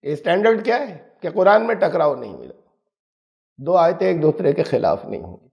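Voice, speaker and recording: A man's voice: fairly high pitch, very animated, gravelly, highs cut off. A man giving an emphatic, explanatory religious lesson on scripture. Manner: explanatory, emphatic, uses everyday examples. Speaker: Quran teacher.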